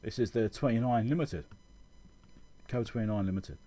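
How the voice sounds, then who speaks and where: A man with a husky, fairly low voice talks through a technical explanation. His tone is soft-edged and relaxed, and his delivery is informal, like someone thinking aloud while he teaches. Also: normal speed. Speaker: electronics repair video host. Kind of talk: casual technical tutorial over schematics.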